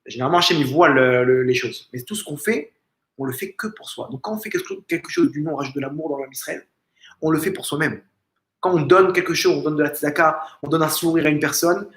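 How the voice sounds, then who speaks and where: Rabbi, male, somewhat high voice, emphatic lecturing with restarts, roomy home recording. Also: fairly bright tone. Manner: emphatic, fond of rhetorical questions and repeated phrases; frequent restarts and stumbles. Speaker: rabbi giving a lesson. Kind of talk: informal religious lesson. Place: family home. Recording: echoey room.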